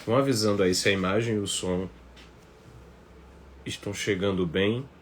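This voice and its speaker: A man's voice: fairly low pitch, normal speed. A man with a northeastern Brazilian accent talking informally to viewers as he hosts a live online class, conversational and fond of tag questions. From Paraíba, northeastern Brazil. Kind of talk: informal livestream talk to viewers. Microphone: phone on a stand. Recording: noticeable background noise, phone livestream.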